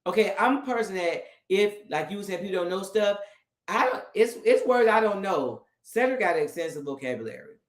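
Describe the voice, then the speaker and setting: A woman co-host telling a story in a casual, animated way, laughing often and restarting her sentences. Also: medium pitch, brisk, roomy sound. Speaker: podcast co-host.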